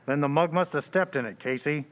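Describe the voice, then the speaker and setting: A man playing a steady, no-nonsense police sergeant in an old-time radio drama, matter-of-fact and authoritative. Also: a little high, fairly quick, highs cut off, close to an everyday voice. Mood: businesslike.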